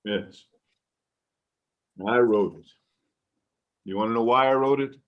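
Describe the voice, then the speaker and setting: A man's voice: medium pitch, slow pace, close to an everyday voice. A man reading the part of a disillusioned, self-mocking editor in a stage play, wry and weary, over a video call. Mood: bitter. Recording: dull video call audio.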